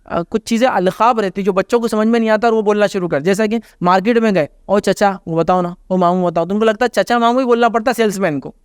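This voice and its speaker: An Islamic scholar with an Indian Hindustani accent answers a question about social manners, using everyday examples and repeatedly reminding listeners to remember. His high-pitched voice is fast and smooth, with hardly any pauses. It's a conversational religious advice talk with clean studio sound and no echo.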